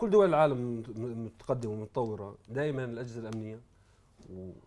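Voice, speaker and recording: A man at a fairly quick pace. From Palestine. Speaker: human rights researcher; talk show guest. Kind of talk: televised panel debate. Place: studio. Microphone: lapel.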